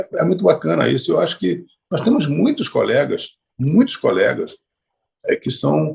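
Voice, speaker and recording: Long, frequent pauses break up what a man says. His pace is moderate. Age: 60s. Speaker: ophthalmologist and politician. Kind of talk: casual interview conversation. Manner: halting, many repetitions and fillers.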